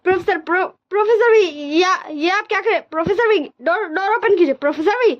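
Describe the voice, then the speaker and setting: A woman's voice: high voice, normal speed, natural voice. A woman voicing a timid young married man who stammers and pleads, tearful and scared, in a dull lo-fi recording. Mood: desperate.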